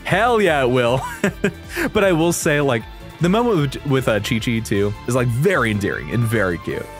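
Animated, gushing young man. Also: mid-range voice, normal speed, soft background music. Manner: gushing, slangy, casually sweary. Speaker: video creator reacting to game trailers. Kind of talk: casual excited reaction commentary.

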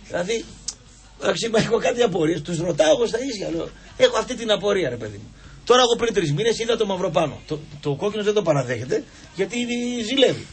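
Man, high voice, middle-aged, sports radio host, rambling, teasing, casual chat. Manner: rambling, teasing, mocking and animated, with lots of fillers.

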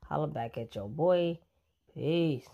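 A fitness vlogger casually pitching a coffee to his viewers, relaxed and chatty, with plenty of ums. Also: takes it slowly, vocal fry, lo-fi sound.

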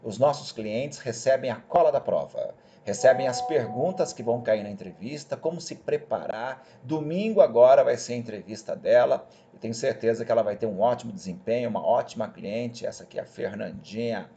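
A man talking casually and persuasively to viewers over a screen recording, chatty and animated. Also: mid-range voice, a little fast, vocal fry, few pauses. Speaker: job placement agency host.

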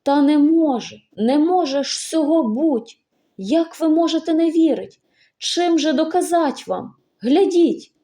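A woman voicing a desperate young male student who pleads loudly and insistently, in an audiobook reading. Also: sits high, sing-song, measured pace, voice pushed up.

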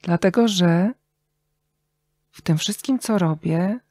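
A middle-aged woman talking casually and reflectively as a podcast guest, telling stories expressively with thoughtful pauses. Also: on the low side, mellow, no echo. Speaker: interview guest, radio journalist and writer.

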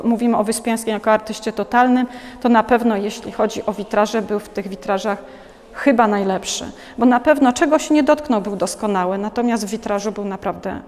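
A woman's voice: fairly high pitch, darkish tone, in a large hall. A woman in her forties, a museum curator, giving an unscripted gallery talk with frequent hesitations and restarts, recorded on a lapel mic. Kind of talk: gallery talk about artworks. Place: large museum gallery, indoors.

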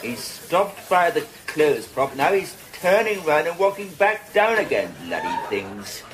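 Grumpy old husband, high lively grumbling, hissy old tv sound. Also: male voice, unhurried. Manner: indignant, sarcastic grumbling. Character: grumpy older husband feuding with his neighbour. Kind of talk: sitcom acting. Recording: noisy old TV broadcast audio.

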